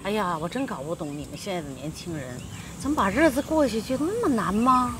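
A woman's voice: mid-range voice, expressive, quick pace, over music, close to an everyday voice. An actress playing an older mother-in-law in a TV drama, soothing at times, scolding and lecturing at others. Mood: advising. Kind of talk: TV drama acting.

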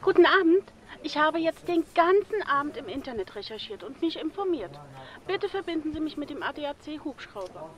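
A woman's voice: high-pitched, very animated, fairly quick. An actress playing a stubborn woman calling the police emergency line to ask for a rescue helicopter. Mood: insistent. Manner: insistent. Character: self-assured woman caller misled by the internet. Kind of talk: radio drama acting.

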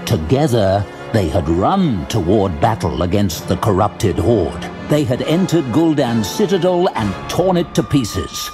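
A man narrating a fantasy tale in a measured, theatrical storytelling manner with pauses. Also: lowish voice, sing-song. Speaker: audiobook narrator. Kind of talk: dramatic scripted fantasy narration. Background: music.

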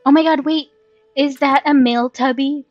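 A woman's voice: high-pitched, fairly even intonation, moderate pace, no echo, dull audio. A woman giving casual, playful, giggly commentary as she streams a game with a friend. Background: soft game music.

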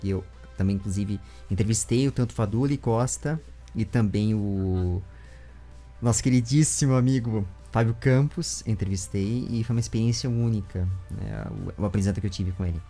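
A man in his twenties with a Brazilian accent, hosting a casual interview in an animated, rambling way, speaking into a close desk microphone at home. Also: fairly low pitch, normal speed, soft background music. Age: 20s. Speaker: interviewer and show host. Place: small room with bookshelves at home. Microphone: large desk microphone with foam windscreen, close.

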